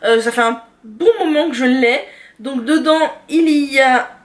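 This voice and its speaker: A woman vlogger enthusiastically reviewing her favorite products in a chatty, casual way, often pausing with "euh". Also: high voice. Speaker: beauty and lifestyle vlogger. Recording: voice distant from the mic.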